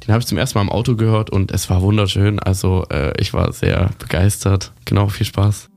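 Low gravelly male radio host. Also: steady tone, a little fast, darkish tone. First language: German. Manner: rambling, self-correcting, laughs often. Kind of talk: casual radio chat about literature.

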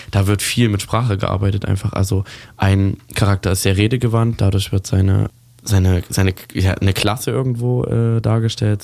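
A man's voice: on the low side, vocal fry, darkish tone, no room sound. A man hosting a casual radio talk show, rambling and correcting himself as he chats about literature, laughing often. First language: German.

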